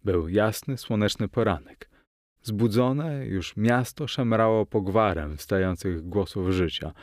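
Male audiobook narrator, low register, measured first-person storytelling, dry close recording. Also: darkish tone, no echo. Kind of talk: scripted narration of a novel.

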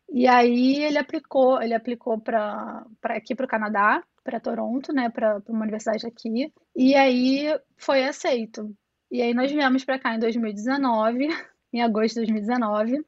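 A woman's voice: on the high side, dry recording, lo-fi sound. A woman in her thirties from Brazil with a Niterói, Rio accent, chatting as an interview guest, full of fillers and restarts. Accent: Rio de Janeiro, Niterói. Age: 30s. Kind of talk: casual conversational interview. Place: home in Toronto over a call.

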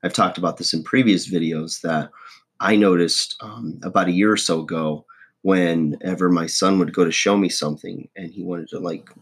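A hoarse, husky man in his forties giving a casual, folksy motivational monologue as a host. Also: low-pitched, steady tone, normal speed. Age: 40s. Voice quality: husky, rough. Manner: folksy, self-deprecating, checks in with "okay?" and "right?". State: hoarse voice, throat-clearing. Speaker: host of a motivational video podcast.

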